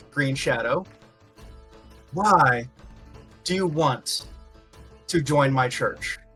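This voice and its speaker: In a put-on character voice, a soft-spoken yet booming man with a fairly high pitch talks at a very slow pace with long, frequent pauses while faint music plays in the background. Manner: nurturing, addressing a follower.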